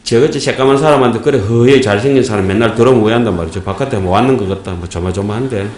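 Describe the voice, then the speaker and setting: A man's voice: on the low side, very fast, a little mellow, echoey room. A man giving a Buddhist dharma talk in a sermon style, folksy and joking, often checking in with his listeners. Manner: folksy, joking, asks the audience "예?". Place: temple dharma hall.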